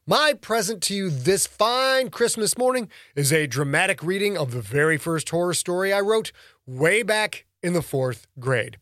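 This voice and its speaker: A man's voice: sits high, lively intonation, moderate pace, a bit bright, dry recording, clean studio sound. A man hosting and narrating his own podcast in a playful, theatrical way. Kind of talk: dramatic story reading and casual podcast talk.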